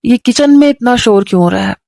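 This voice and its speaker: A woman's voice: fairly high pitch, quick pace, vocal fry, mellow, no echo, studio quality. A woman voicing a stern, suspicious young man who snaps curt retorts. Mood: irritated.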